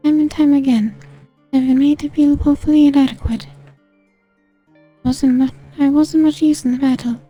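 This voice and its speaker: A man's voice: extremely high pitch, little pitch movement, moderate pace, pauses often, mellow, soft background music, voice pushed up. A man using a voice changer to voice an earnest, formal young woman scholar, reading game dialogue aloud. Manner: formal, old-fashioned phrasing read from a game script. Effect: voice changer raising the voice.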